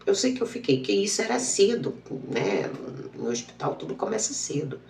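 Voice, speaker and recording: A woman's voice: mid-range voice, big pitch swings, normal speed, vocal fry, a little mellow, roomy sound, recorded from a distance, a little hiss or hum. A woman, telling a personal story and acting out the dialogue. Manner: emotional, repetitive retelling with quoted dialogue. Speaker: channel host.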